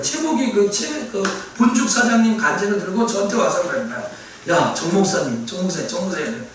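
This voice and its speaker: A male pastor preaching a sermon with emphasis, repeating key phrases and at times shouting. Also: very high voice, slight background noise. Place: church sanctuary. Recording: echoey church hall from far off, faint ambience.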